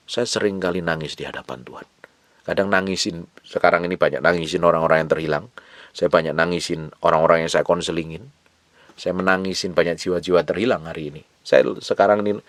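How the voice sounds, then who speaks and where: Deep-voiced man preaching with earnest repetition. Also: no room sound. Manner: earnest, repetitive exhortation with sudden loud bursts and soft whispered asides. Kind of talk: sermon.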